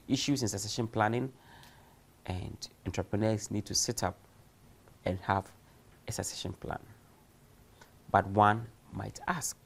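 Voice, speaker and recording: In a recorded distance-learning university lecture, a man with a fairly low, creaky voice speaks emphatically, posing rhetorical questions and acting out examples.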